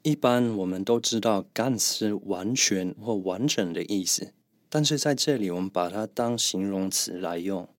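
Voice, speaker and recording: A man co-hosting a podcast as a German teacher, calmly and methodically explaining pronunciation. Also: fairly low pitch, normal speed, no room sound, clean studio sound. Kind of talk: podcast language lesson.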